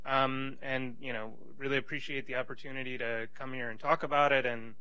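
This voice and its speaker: A man's voice: medium pitch, flat delivery, fairly quick, sharp tone, clean tone, dull audio. A man speaking as a panelist, giving conversational remarks and often restarting his phrases.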